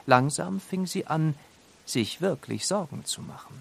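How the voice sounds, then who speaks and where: A man narrating a scripted children's story in an expressive, deliberate storytelling manner. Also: on the high side, creaky. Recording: studio narration over music. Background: music.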